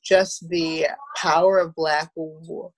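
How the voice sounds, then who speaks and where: A woman in her thirties chatting casually on a video call, halting and often repeating words as she goes. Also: low-pitched, level tone, rough recording. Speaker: theatre producer, panel guest. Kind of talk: casual roundtable chat. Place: room at home, on a video call.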